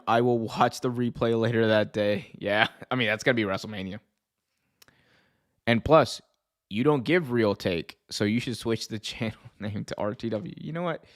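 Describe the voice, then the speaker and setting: A man with a North American accent hosts a casual livestream, chatting with viewers in slangy, sweary language and often breaking into laughter. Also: mid-range voice. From United States. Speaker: wrestling show host and livestreamer. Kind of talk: casual livestream chat reacting to viewer comments.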